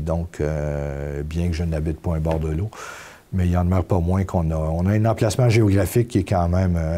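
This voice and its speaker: A middle-aged man with a Quebec French accent, answering interview questions conversationally and haltingly, repeating words as he explains. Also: deep voice, warm tone. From Canada (Quebec), Belgian-born. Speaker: town mayor being interviewed. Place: council room.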